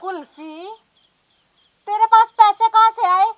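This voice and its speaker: A woman's voice: very high voice, slow. A woman playing a bossy, domineering young wife in a comedy skit, scolding and ordering her husband about. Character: bossy young wife, later a sharp mother-in-law.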